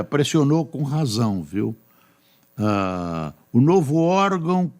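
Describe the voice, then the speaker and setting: An older Brazilian man, a news anchor, reading newspaper stories aloud and adding chatty, unhurried remarks between them. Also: mid-range voice, gravelly, a little mellow.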